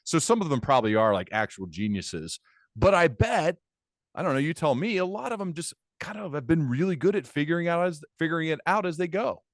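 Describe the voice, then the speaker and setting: A man's voice: fairly high pitch, animated, a little fast, no room sound, studio quality. A man hosting a conversational interview podcast, thinking aloud enthusiastically with emphatic repetition. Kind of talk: conversational long-form interview.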